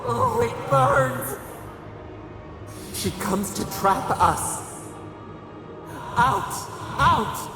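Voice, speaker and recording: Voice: mid-range voice, huge pitch swings, gravelly, full character voice. An actor playing an ancient imprisoned god speaking as many, anguished, pleading and menacing, with an echoing otherworldly effect. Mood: tormented, fearful. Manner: slow, grieving, speaks of itself as we. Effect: echoing reverberant god-voice processing. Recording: cavernous reverb, distant, music behind.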